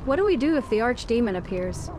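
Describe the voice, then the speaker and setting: A woman's voice: fairly high pitch, very animated, fast. A woman voicing a dutiful young elf recruit in a fantasy game, plain and deferential. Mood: matter-of-fact. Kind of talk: amateur voice-over for a fantasy game. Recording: home microphone over game background noise.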